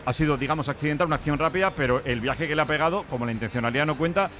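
A man's voice: fairly high pitch, very fast, a bit bright, faint music behind. A man hosting a live football radio talk show, steering the debate and reining in his pundits. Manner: steers the talk, cuts in to hold back pundits. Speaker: radio sports show host. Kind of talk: fast on-air football debate.

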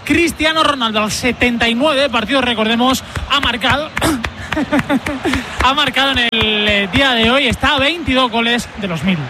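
A man giving football score updates live on the radio in a steady, informative way. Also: very high voice, moderate pace, noisy background.

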